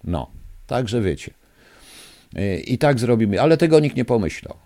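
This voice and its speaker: A man's voice: medium pitch, big pitch swings, moderate pace, warm tone, no echo. A male radio host rants angrily and indignantly at his listeners in a studio. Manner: angry, indignant ranting. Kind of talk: live radio talk to listeners. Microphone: studio microphone.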